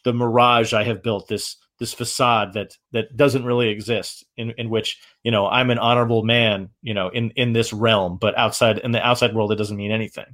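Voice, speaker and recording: Halting man in casual film talk. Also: on the low side, flat delivery, a bit bright. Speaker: film discussion host. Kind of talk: casual film commentary chat.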